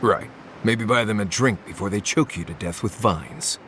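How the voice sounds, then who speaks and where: An actor playing a suspicious, blunt wilderness guide in a video game, with dry, sardonic grumbling. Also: male voice, lowish voice, normal speed, fairly bright tone, faint music behind, natural voice. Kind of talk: naturalistic video game dialogue.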